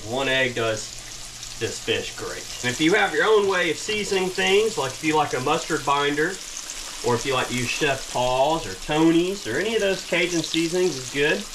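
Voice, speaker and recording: A man's voice: a little high, animated, normal speed. A man, casually explaining each step as he works, like a vlogger teaching. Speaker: fishing and cooking vlogger. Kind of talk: casual instructional narration while working. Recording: noisy action-camera audio, outdoors and kitchen.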